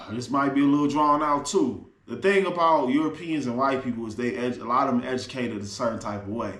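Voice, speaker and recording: Over noticeable background noise, a man talks at a very fast pace with hardly any pauses. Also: medium pitch for a man, ordinary pitch variation. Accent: American. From US Midwest, Detroit, Michigan. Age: 20s. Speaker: traveler. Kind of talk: interview. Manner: casual.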